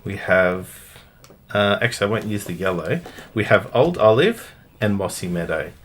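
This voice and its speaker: A man talks through his coloring on a craft livestream, quiet and hesitant as he picks colors. His voice is low, with faint noise behind it. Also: expressive, moderate pace. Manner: thinks aloud while coloring, soft and hesitant, breaks into bits of song. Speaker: co-host demonstrating coloring. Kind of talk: casual craft demonstration.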